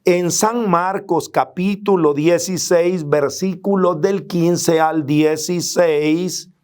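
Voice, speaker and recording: A middle-aged man with a Salvadoran Spanish accent preaches a Catholic teaching in an earnest, emphatic way. His voice sits fairly high, and he takes his time. He keeps stopping to quote scripture. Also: fairly even intonation, takes it slowly, a little mellow.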